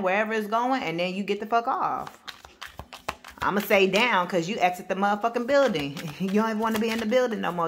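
A woman with AAVE speech giving a spiritual reading to camera, loud and powerful, blunt and emphatic, cursing freely and restarting her sentences. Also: on the low side, a little hiss or hum. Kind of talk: casual spoken reading to camera.

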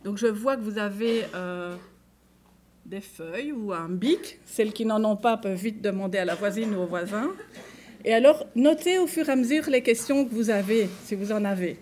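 A woman's voice: mid-range voice, normal speed, darkish tone. A woman with a Belgian French accent giving a conference talk, speaking conversationally to the audience and reading example cases aloud. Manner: conversational, addresses listeners directly and reads case examples aloud. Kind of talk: lecture to a live audience.

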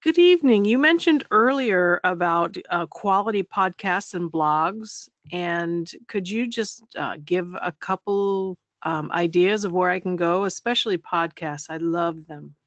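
Woman caller, mid pitch, polite and hesitant, muffled call line. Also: measured pace, few pauses, no room sound.

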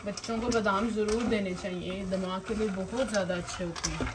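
A woman's voice: mid-range voice, fairly even intonation, fairly quick. A woman hosting a cooking video in her home kitchen, chatting through each step as she cooks. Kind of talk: casual cooking demonstration. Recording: distant mic with noisy kitchen background.

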